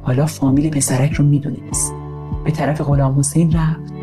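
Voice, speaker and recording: A woman narrating a children's audiobook in a calm, even storytelling manner over guitar music. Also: low voice.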